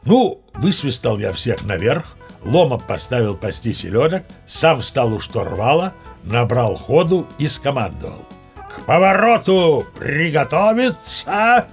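Gravelly old sea captain storyteller. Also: male voice, mid-range voice, sing-song, unhurried, soft background music. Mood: barking, exasperated. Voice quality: gravelly, husky. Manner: folksy, conversational, addressing listeners. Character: old sea captain spinning tall tales, self-assured, excitable. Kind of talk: dramatised storytelling in an audio play.

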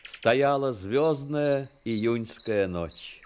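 A man narrating a Soviet war radio drama in a dramatic, measured literary storytelling manner. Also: medium pitch, noisy background.

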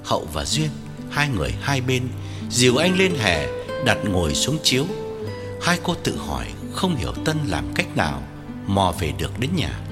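A man's voice: lowish voice, huge pitch swings, normal speed. A man narrating a story with dramatic, widely varied delivery. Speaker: audiobook narrator. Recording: long hall reverb, faint music.

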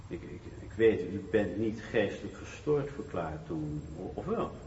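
A man playing a formal, halting questioner interrogating a veteran in a radio play. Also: low voice, very animated, darkish tone. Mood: formal, probing. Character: formal questioner probing a veteran's mental state. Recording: echoey, distant, dull, noisy recording.

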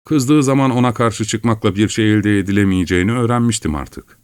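Low-voiced man reading a story. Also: clean tone, no room sound. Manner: calm, measured storytelling. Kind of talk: audiobook narration.

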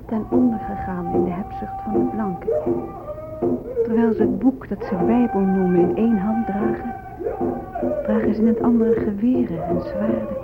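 A woman's voice: medium pitch, lightly acted. A woman playing a sorrowful, dignified Native American lamenting solemnly in a radio drama. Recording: muffled, phone-like old radio recording. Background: prominent music.

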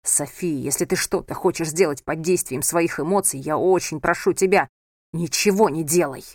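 A woman reading aloud and voicing an angry, controlling young husband who scolds his wife in a low, hard tone. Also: moderate pace, dry recording, studio quality, close to an everyday voice. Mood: scolding. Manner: harsh, scolding, hard-edged.

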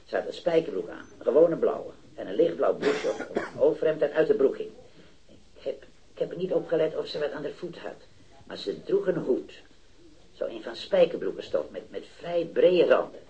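An actor's voice, on the high side, sing-song and warm, with the highs cut off, plays a 1970s radio drama eyewitness to a robbery. The character is a hesitant yet eager metal worker in his early thirties, who sounds unsure and rambling as he stammers, halts, and repeats words.

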